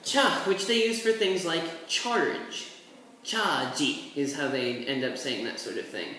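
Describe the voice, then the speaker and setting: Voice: mid-range voice, slow, sharp tone, far from the mic. A person giving a laid-back, rambling tutorial while writing characters, with offhand asides. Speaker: language tutor. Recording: very echoey room, voice set back from the mic, faint hiss.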